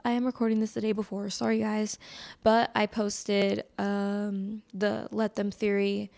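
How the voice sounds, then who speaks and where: A woman's voice: fairly high pitch, creaky, darkish tone. An American woman hosting a solo podcast in a casual, chatty way, with a scratchy, slightly congested voice on a close microphone. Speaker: podcast host.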